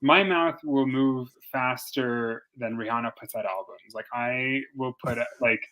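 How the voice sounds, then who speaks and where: Chatty man from India, animated. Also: mid-range voice, a little slow, low-quality recording. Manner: animated, self-deprecating storyteller with frequent fillers. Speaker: lawyer guest. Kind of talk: casual interview chat.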